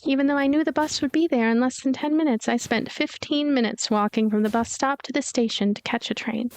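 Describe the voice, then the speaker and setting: A woman narrating a visual novel story aloud for a let's play, in an expressive read-aloud style. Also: sits high, fairly quick, no room sound.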